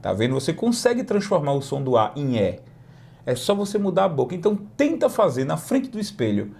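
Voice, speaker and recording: Lively gravelly teacher. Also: male voice, fairly high pitch. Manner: slow, drawn-out model pronunciations between quick explanations. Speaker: English teacher. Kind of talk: lively language lesson.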